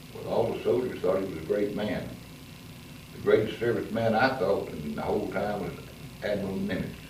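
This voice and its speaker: Over noticeable background noise, a man with an American accent speaks at a fairly quick pace, broken by long, frequent pauses. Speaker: war veteran. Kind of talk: interview answer. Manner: old.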